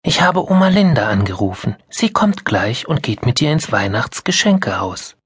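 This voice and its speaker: A man's voice: medium pitch, big pitch swings, breathy edge, no room sound, clean studio sound. A man reading a storybook, voicing a busy working mother who is in a hurry and apologetic. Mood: hurried, apologetic. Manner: rushed, apologetic. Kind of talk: audiobook character voice.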